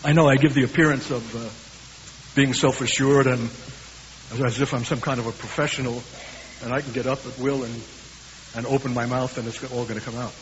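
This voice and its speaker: A man with a Brooklyn accent preaching a sermon, earnest and emphatic, slowing down for weighty lines. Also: medium pitch, fairly even intonation. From USA. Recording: hissy, dull recording in a reverberant hall.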